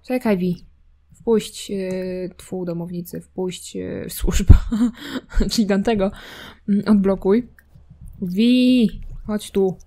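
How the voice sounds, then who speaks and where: A woman's voice: medium pitch, steady tone, slow pace, warm tone. A woman casually commenting while playing a life simulation game, chatty and teasing, talking to her characters and their cat. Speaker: gameplay streamer.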